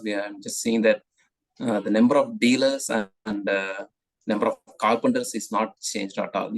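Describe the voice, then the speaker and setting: A man with an Indian accent putting a question on an earnings call in a hesitant, halting way. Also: on the low side, low-quality recording. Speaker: investor or analyst asking questions.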